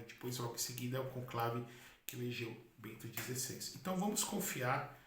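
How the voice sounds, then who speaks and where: A man's voice: mid-range voice, fairly bright tone. A man, a Catholic priest, preaching a sermon in a chatty storytelling manner with asides. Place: in Spain. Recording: echoey room with faint noise.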